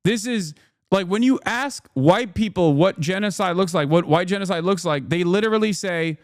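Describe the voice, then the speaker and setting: A man with a notably high voice hosts a livestream, reacting with sarcastic, profane and animated commentary. He is close to the mic and sounds dry, with no room around him. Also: moderate pace, no echo. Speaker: livestream host.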